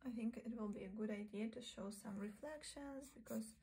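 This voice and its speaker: A woman teaching a sketching lesson, narrating calmly and often half-whispering while she draws at a desk. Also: a little high, moderate pace, breathy edge. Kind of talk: soft-spoken drawing tutorial. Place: indoors at a desk, overhead camera on the sketchbook.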